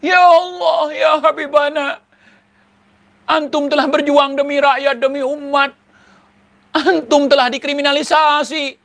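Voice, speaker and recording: A man putting on a sobbing male cleric who wails and shouts tearfully about being persecuted, as mockery. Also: very high voice, steady tone, a little slow, vocal fry, pauses often, voice pushed up, full character voice. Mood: wailing. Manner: mocking, exaggerated tearful shouting.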